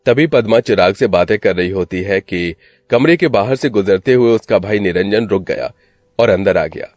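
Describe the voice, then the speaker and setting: A man narrating a dramatic cartoon story in a steady voice. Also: fairly low pitch, moderate pace, no echo, soft background music.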